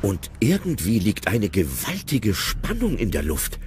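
A man narrating an audio drama in a lively storytelling way. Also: on the low side, a little slow, background noise. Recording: clear music bed.

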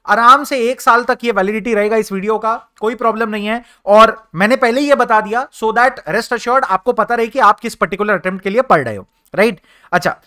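Young Indian male tutor, casual lecture style, bright tone, code-switches constantly. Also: high-pitched. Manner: chatty, mixes Hindi and English, calls listeners brother. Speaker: teacher. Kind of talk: exam revision lecture.

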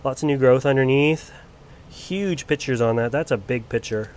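A plant grower getting over a cold shows off his collection in a casual filmed walk-through, talking off-camera on a handheld vlog in an indoor grow area under bright lights. He's chatty and loose, with lots of ums and restarts, speaking at medium pitch and normal speed in a darkish tone over slight background noise.

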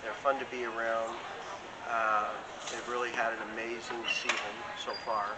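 A man's voice: medium pitch, flat delivery, moderate pace. An older man, a basketball coach, talking about his team after a game with a teasing, joking manner. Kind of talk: postgame interview. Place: school gym. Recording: loud gym noise, somewhat far from the mic.

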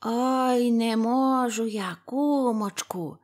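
A woman voicing a frail, bony old witch in a storybook reading, with a drawn-out, complaining way of talking. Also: on the high side, darkish tone, voice pushed up. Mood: whining.

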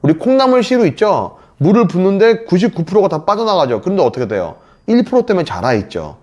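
A man teaching beginner English to seniors, repeating each word and slowly modelling phrases. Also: high voice, highs cut off. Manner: lively, repeats words with gestures.

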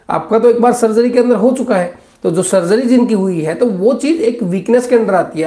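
A man's voice: high voice, a little mellow. Blunt, scolding male doctor in an echoey room. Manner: blunt, scolding advice, addresses viewers as brother and son. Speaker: doctor answering viewer questions. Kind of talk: live Q&A consultation.

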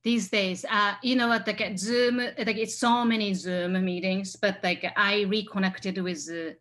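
Young woman, halting english full of fillers, on a video call. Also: mid-range voice, fairly even intonation, a bit bright. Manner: hesitant, many fillers. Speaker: guest set designer. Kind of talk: casual chat on video call. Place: home room.

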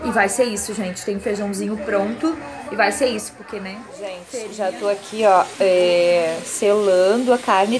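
A woman, chatting casually to her phone camera while cooking and cleaning in her home kitchen, full of tag questions and fond diminutives. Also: mid-range voice. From southern Brazil. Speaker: home vlogger. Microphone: handheld phone camera.

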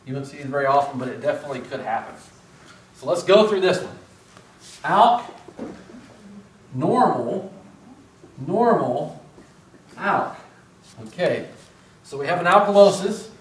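A middle-aged man lecturing through a face mask in a large, echoey classroom, picked up by a camera well across the room. His voice sits a little high for a man, and he keeps things casual and self-deprecating, tossing questions to the students. A faint hiss lies under the recording. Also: lively intonation, measured pace, long pauses, far from the mic. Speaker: respiratory therapy instructor. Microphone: far camera.

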